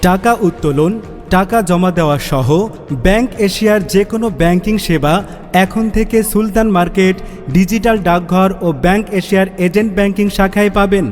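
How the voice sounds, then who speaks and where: A man reading a street loudspeaker advertisement in a loud, declamatory announcing manner. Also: sits high, a little fast. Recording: long reverb with music bed. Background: music.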